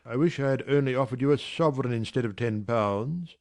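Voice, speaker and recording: A brusque, commanding gentleman of middle years who teases and bargains by turns, as a man reads him. His voice sits at an ordinary male pitch. He sounds like a figure from a period storybook drama. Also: fairly quick, natural voice. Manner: gruff, teasing, commanding. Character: brusque teasing gentleman employer, middle-aged. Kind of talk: dramatized classic novel reading.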